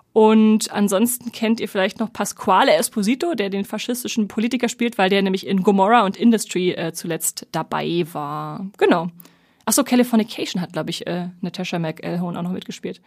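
A woman's voice: mid-range voice, no room sound, clean studio sound. A woman co-hosting a casual podcast, presenting new series in a chatty, upbeat way with lots of fillers. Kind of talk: casual chat.

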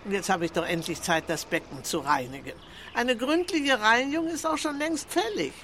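Biting older housekeeper, swooping delivery. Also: female voice, fairly high pitch, animated, normal speed, a bit bright, slight background noise. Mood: brusque, matter-of-fact. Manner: brusque, biting. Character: nasty, nosy older housekeeper, gruff and unsympathetic. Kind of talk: German radio play acting.

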